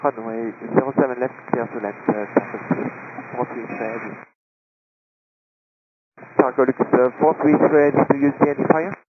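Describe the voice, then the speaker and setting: A man's voice: mid-range voice, moderate pace. A man working as a cargo pilot, talking to the tower over an aircraft radio. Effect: aircraft radio transmission. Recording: noisy, phone-like cockpit radio.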